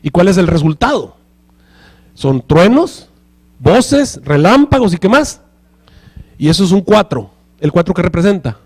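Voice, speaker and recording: A man's voice: high-pitched, very animated, unhurried, long pauses, darkish tone, slightly rough. A male pastor preaching a sermon in church, often checking with the congregation through rhetorical questions.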